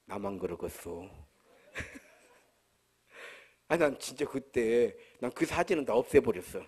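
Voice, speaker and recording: A man's voice: medium pitch, animated, normal speed, a little mellow, breathy edge. A male pastor with a Jeolla accent, delivering a humorous, conversational sermon full of rhetorical questions at a church service. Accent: Jeolla Korean.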